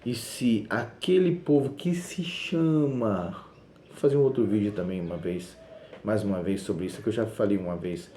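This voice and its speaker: A man preaches with insistent emphasis and repeats his key phrases. His voice sits low and mellow. The room around him rings with echo, and faint noise sits underneath. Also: normal speed. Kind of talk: sermon video.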